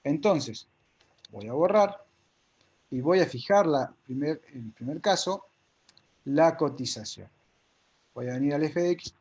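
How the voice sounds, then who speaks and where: A man's voice: a little high, expressive, a little slow, long pauses, darkish tone, husky, dull audio. A man teaching a live spreadsheet class step by step, with an Argentine Spanish accent, often checking whether his students follow.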